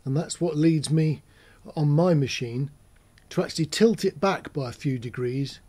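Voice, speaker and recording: A man's voice: fairly high pitch, normal speed, mellow. A man giving a casual explainer as a presenter, talking in a matter-of-fact, conversational way, step by step. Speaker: presenter of an audio gear channel.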